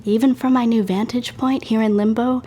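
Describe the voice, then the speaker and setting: A woman's voice: on the high side, steady tone, moderate pace, warm tone, a little hiss or hum, close to an everyday voice. An actress playing a wistful young dead woman who narrates an audio drama from limbo.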